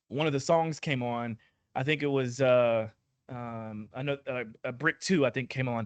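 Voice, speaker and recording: In an unremarkable speaking voice, a man talks at a moderate pace with fairly even intonation, the sound dry and close with no echo against a quiet background. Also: medium pitch for a man. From Oklahoma. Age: 40s. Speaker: podcast host, personal trainer. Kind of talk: casual interview chat.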